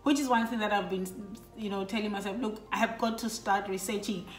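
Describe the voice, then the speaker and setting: This is a brisk, mid-range female voice with fairly even intonation: a middle-aged Lesotho woman who vlogs, recounting a personal story to her kids. The family chat is casual and reflective, packed with fillers, recorded with roomy echo and soft background music.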